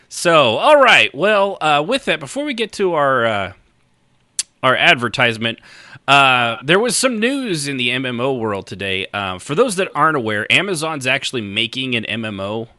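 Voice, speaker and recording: A man's voice: mid-range voice, very animated, normal speed, sharp tone, dry recording, studio quality. An American man hosting a podcast in casual chat, rambling along with wry, joking asides. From United States. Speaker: podcast host.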